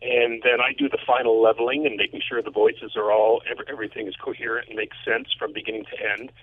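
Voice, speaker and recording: A man's voice: medium pitch, flat delivery, quick pace, husky, no echo. A man calling in remotely as a guest composer, explaining his mixing work in casual interview talk over a narrow telephone line. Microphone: phone or remote call.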